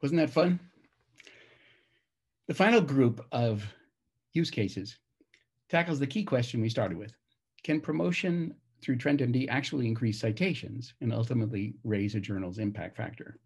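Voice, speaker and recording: A man with a gravelly, husky voice giving a prepared conference presentation in a measured, formal, explanatory way. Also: medium pitch, darkish tone.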